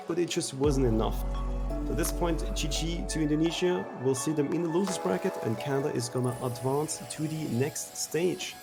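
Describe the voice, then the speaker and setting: A man's voice: fairly high pitch, gravelly. A man with an Austrian accent doing casual commentary on a game tournament, chatty and full of restarts. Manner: chatty, restarts and fillers, laughs easily. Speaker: esports commentator. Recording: game music playing underneath.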